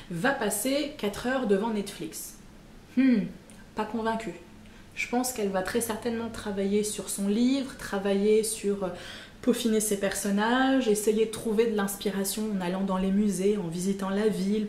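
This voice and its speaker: A woman's voice: medium pitch, a little mellow. A woman talking casually to her viewers about personal development, chatty and full of fillers and self-mocking asides. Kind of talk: casual spoken explainer to camera. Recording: echoey room with faint ambient noise.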